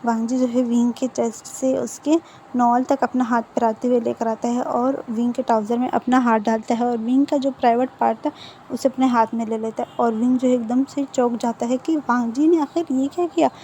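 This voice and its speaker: A woman's voice: on the high side, fairly even intonation, brisk, mellow, a little hiss or hum. A woman casually retelling a fan fiction story in a chatty, loose way. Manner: chatty, full of fillers and restarts.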